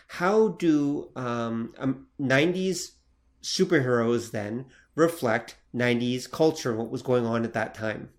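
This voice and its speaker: A man co-hosting a podcast in casual chat, asking questions and correcting his partner. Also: medium pitch. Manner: attentive, steering the talk with questions and corrections. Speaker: podcast co-host.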